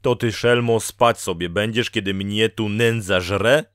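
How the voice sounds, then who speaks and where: A man voicing Maciej, a poor, lazy peasant in a folk tale, speaking gruffly and demandingly. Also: very deep voice, very animated, takes it slowly, no echo, studio quality, exaggerated voice. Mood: angry.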